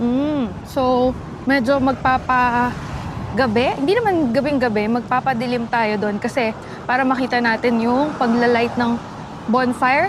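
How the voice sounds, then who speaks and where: A woman speaks in a high voice with fairly even intonation over noticeable background noise. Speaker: travel vlogger. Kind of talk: travel vlog narration. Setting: outdoors. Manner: quieter, subdued.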